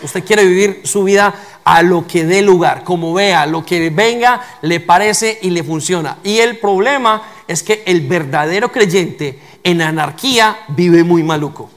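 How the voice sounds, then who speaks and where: High-voiced preacher man. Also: unhurried. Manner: emphatic preaching with rhetorical questions to the congregation. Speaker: pastor. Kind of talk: sermon.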